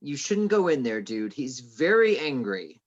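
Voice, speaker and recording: Woman as a low-voiced, discreet aide. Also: big pitch swings, unhurried, lo-fi sound, exaggerated voice. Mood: polite, cautious. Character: discreet, deferential male aide to a rich man. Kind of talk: virtual table read of a film script. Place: remote video call.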